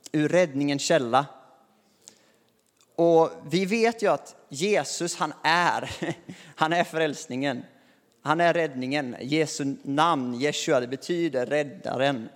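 A man preaching a sermon, earnest and lively, raising his voice as he calls out scripture. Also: a little high. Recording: long hall reverb.

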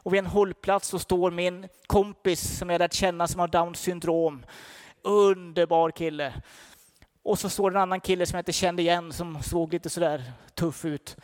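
An older man preaching a sermon, fervent and emphatic, shifting between loud declarations and quiet storytelling. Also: high-pitched, steady tone. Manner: fervent, rising to emphatic peaks then dropping to soft storytelling.

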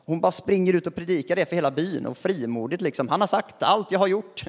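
A man preaching a sermon, earnest and lively, raising his voice as he calls out scripture. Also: high voice. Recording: long hall reverb.

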